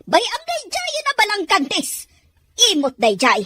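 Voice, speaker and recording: A woman's voice: very high-pitched, wildly swooping pitch, sharp tone, a little hiss or hum, full character voice. A woman playing a money-grasping, gossipy mother-in-law in an audio drama, exclaiming and drawling with a Filipino accent. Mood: gloating, wheedling. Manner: exclamatory, drawn-out wheedling and scolding. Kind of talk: Ilocano audio drama acting.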